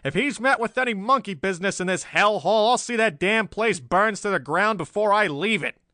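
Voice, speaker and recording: A man voicing a fiery, hard-boiled old newspaper editor in a storybook, barking gruff orders. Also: fairly high pitch, moderate pace, sharp tone, no echo, studio quality, voice pushed up. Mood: roaring anger.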